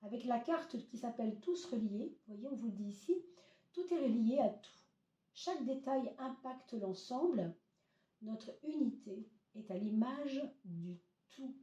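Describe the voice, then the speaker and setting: A hoarse woman giving a casual tarot reading to her viewers, hesitant with many fillers and gently reassuring. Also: a little high, expressive, a little slow, recorded from a distance, highs cut off. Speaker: tarot reader. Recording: roomy echo, voice off-mic.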